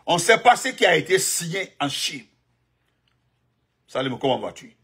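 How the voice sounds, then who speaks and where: A man's voice: a little high, sing-song, normal speed, bright, forceful tone, husky. A man doing rambling live political commentary. He talks emphatically, repeats himself, and breaks off to greet viewers by name. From Guinea. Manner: emphatic, repetitive, jumps between topics and greetings.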